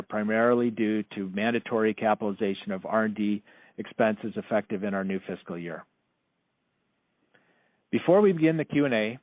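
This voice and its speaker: A man reading a scripted earnings presentation as a company executive, in a formal, measured corporate manner. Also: lowish voice, no echo. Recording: narrow, dull conference-call audio.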